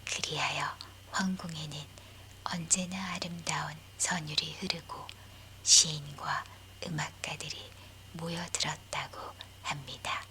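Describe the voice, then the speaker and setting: Slow whispering woman telling a bedtime story. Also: sits low, fairly even intonation, pushed and bright, a little hiss or hum. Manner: whispering, breathy and unvoiced throughout. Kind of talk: whispered scripted narration of a historical tale for sleep.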